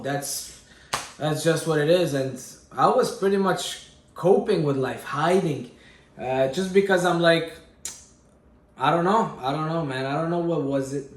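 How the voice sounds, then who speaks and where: Man in his twenties from Syria, personal vlog, candid, repeats phrases, fillers, echoey room. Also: fairly high pitch. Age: 20s. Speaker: fitness vlogger. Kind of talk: personal reflective monologue.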